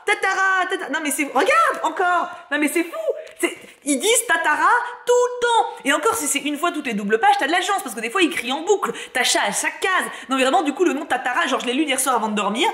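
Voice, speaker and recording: A woman's voice: high voice, sharp tone. A young woman reviewing books in casual chat, chatty and slangy, laughing often. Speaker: book reviewer. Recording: echoey room.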